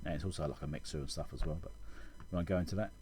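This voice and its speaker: With a very deep, darkish voice, a man races through an informal tutorial over schematics, thinking out loud. He's an electronics repair video host, and there's a little hiss or hum in the audio.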